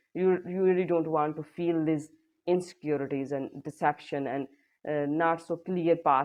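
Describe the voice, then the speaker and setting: A woman with a non-native accent and a fairly low pitch speaks at a moderate pace with fairly even intonation. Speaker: tarot reader. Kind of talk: tarot reading to camera.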